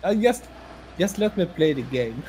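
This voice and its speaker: A Swedish man talks casually in his non-native language, with a Swedish accent. His voice sits slightly high. He is easygoing and halting, often pausing to find the next word. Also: big pitch swings, mellow, husky, low-quality recording. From Sweden. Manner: halting, easygoing, quick to laugh. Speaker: guest co-streamer. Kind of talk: casual chat.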